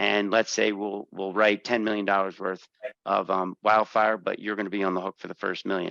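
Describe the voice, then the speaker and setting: A man with an American accent speaks fairly quickly at a fairly low pitch, his bright, sharp tone kept in a monotone, flat intonation with a dry, close sound and no echo. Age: 60s. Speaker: insurance risk expert. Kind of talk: webcast panel discussion. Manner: halting, many fillers.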